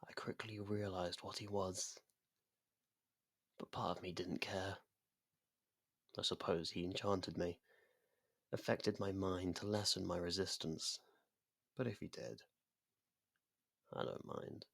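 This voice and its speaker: Man acting a slow, gravelly, seductive ancient vampire. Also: low-pitched, steady tone, a bit bright, no room sound, exaggerated voice. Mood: seductive, dreamy. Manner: slow, deliberate, theatrical, often dropping to a whisper. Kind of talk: ASMR roleplay monologue.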